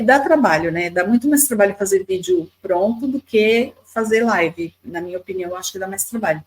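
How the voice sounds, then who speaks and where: A woman's voice: mid-range voice, poor audio. A woman in her fifties from Brazil, a podcast guest telling stories in a chatty way, often repeating words and adding tag questions. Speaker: podcast guest, YouTuber and lawyer. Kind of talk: casual storytelling interview.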